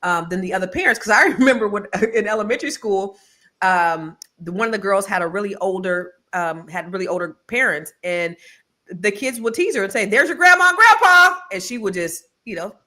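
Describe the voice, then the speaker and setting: A woman hosting a casual talk show, chatty and animated, telling stories with quick restarts. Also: mid-range voice. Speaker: podcast host. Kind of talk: casual chat.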